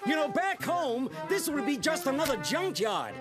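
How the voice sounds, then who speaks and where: High-voiced, brash tourist. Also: male voice, very animated, normal speed, music in the background. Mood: breezy. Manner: breezy, familiar, blunt. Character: brash, chatty male tourist, breezy and friendly. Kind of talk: animated cartoon character acting.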